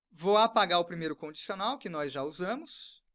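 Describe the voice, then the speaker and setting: A man teaching an online lesson, working through each step methodically and repeating key phrases slowly. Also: sits high, a bit bright. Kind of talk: recorded online lesson, explaining on screen.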